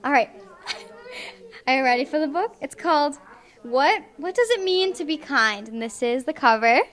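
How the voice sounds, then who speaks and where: A young woman reading a picture book aloud to children in clear, deliberate phrases at a library. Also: high-pitched, lively intonation, a bit bright. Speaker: volunteer storybook reader. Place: public library, indoors.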